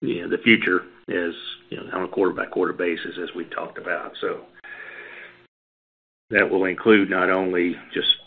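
Man, company executive, deep voice, little pitch movement, measured and hesitant delivery, telephone conference line. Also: level tone, phone-quality sound. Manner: measured, halting, hedging phrasing. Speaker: company executive answering analyst questions. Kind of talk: unscripted earnings call answers. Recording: band-limited phone conference line.

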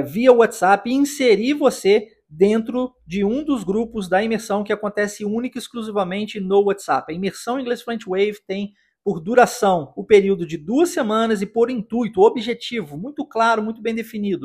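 A Brazilian man teaching an English lesson, upbeat, slowly drilling phrases for his listeners to repeat. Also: high-pitched, slightly rough. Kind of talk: English lesson for Portuguese speakers.

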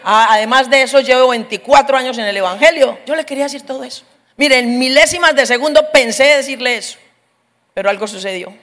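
A middle-aged woman preaches a humorous testimony in a high voice. She tells her story with lively energy and acts out the voices of the people in it. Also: quick pace.

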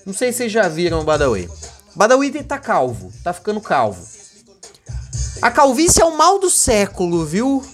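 A man hosting a casual solo podcast, rambling and joking, swinging between low mumbles and excited high bursts. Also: moderate pace, faint music behind. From Brazil. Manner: rambling, joking, addresses his dog as co-host. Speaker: podcast host.

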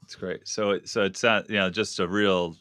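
A man hosting an interview podcast, asking questions in a halting way with many fillers and restarts. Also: low voice, steady tone, fairly bright tone, no room sound. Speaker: podcast host. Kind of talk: casual interview.

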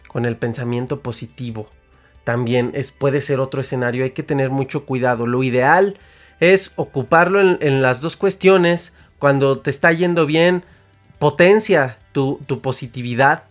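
A man with a Mexican accent giving a casual motivational talk in a slangy, colloquial way. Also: mid-range voice. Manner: colloquial, slangy, acts out quotes. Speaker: motivational speaker.

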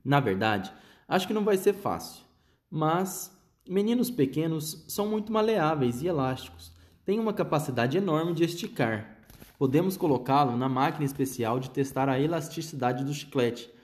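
A man's voice: fairly high pitch, expressive, normal speed, darkish tone, natural voice. A man voicing an eccentric, unflappable chocolate-maker in a read-aloud story, rattling things off breezily. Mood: breezy.

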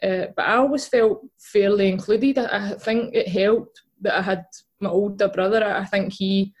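A woman's voice: mid-range voice, fairly even intonation, moderate pace. A young woman with a Glaswegian accent, a guest chatting casually in an interview, with lots of fillers and restarts. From Scotland. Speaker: guest, footballer and podcast co-host.

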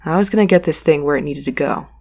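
A woman playing an anxious, stubborn, sharp-tongued space courier in an audio drama, talking in a halting, wry, conversational way. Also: low voice, vocal fry, husky, heavily acted. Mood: wry, confiding. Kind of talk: audio drama acting with confiding narration.

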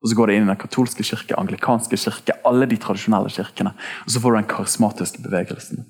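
A man preaching in a lively, casual way, throwing in slang as he addresses his church. His voice sits fairly low and has a gravelly, husky edge. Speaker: pastor. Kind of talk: sermon.

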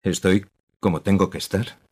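An actor playing an old music master in prison, speaking in curt, weary replies with a husky voice. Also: male voice, sits low, fairly even intonation, normal speed, a little mellow. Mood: resigned. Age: older. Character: old imprisoned music master, disgraced and resigned.

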